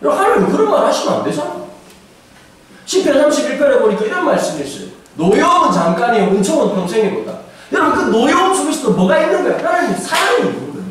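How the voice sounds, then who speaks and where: A pastor in his forties giving a humorous, animated sermon, now and then acting out voices and shouting for effect. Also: very high-pitched, fast. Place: church sanctuary. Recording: echoey church hall, distant mic, faint ambience.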